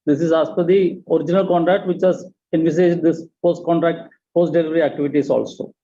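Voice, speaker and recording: Male finance official on a call, matter-of-fact, warm voice, muffled line. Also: a little high, steady tone, quick pace. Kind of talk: conference call answer. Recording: dull call-line audio.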